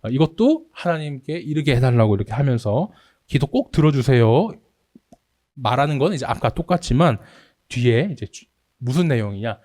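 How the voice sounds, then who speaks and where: A man's voice: mid-range voice, lively intonation, fairly quick, a little mellow, dry recording, studio quality. A man preaching a sermon as pastor, acting out anguished prayers in a raised voice. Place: church sanctuary.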